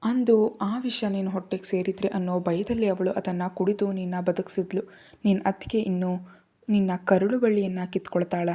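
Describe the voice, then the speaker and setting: A woman reading the lines of a young man, an elder brother, who speaks softly and fondly to his younger sister. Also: medium pitch, steady tone, moderate pace, natural voice. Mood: tender.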